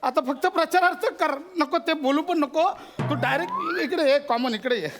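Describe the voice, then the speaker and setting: An actor playing a hot-tempered, vain local politician who blusters and shouts in a stage comedy sketch. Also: male voice, very high voice, huge pitch swings, music in the background, exaggerated voice. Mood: indignant. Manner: blustering, shouting, quick to flare up.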